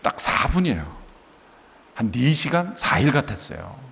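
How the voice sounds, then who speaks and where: A man's voice: medium pitch, big pitch swings, normal speed, vocal fry, a bit bright. A middle-aged male pastor preaching a sermon with rhetorical questions and acted-out dialogue. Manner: emotive preaching, asks rhetorical questions, acts out quoted dialogue. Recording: long hall reverb.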